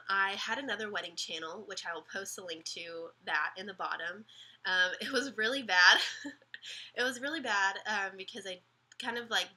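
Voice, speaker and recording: A young woman vlogging casual advice, sick and slightly raspy, chatty with lots of ums and restarts. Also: on the low side, sharp tone.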